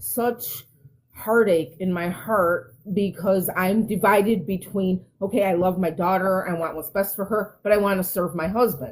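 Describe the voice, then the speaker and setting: A fairly slow pace with ordinary pitch variation. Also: woman. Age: 60s. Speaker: guest discussing family conflict. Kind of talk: personal testimony. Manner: halting.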